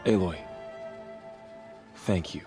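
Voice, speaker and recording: An actor playing a loyal young tribal warrior in a video game, speaking in an earnest, solemn manner. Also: male voice, takes it slowly, music in the background, natural voice. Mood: quiet, thoughtful. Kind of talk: dramatic video game acting.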